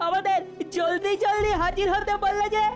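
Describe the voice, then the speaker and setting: An eager village youngster who chirps along keenly, voiced by a woman. The voice is very high, set over clear background music. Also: level tone, normal speed. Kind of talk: cartoon voice acting.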